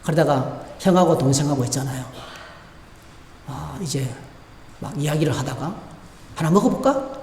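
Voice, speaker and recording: A man's voice: mid-range voice, normal speed, long pauses, dark tone, slight background noise. A male pastor preaching a sermon, telling stories and asking the congregation rhetorical questions, in a church. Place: church sanctuary. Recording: echoey church hall with long reverb.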